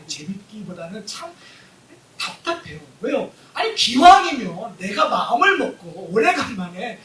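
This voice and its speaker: A man preaching a sermon as a pastor. He keeps asking the congregation questions and swings between hushed asides and emphatic, rising points. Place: church hall. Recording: roomy hall, voice from a distance, faint rumble.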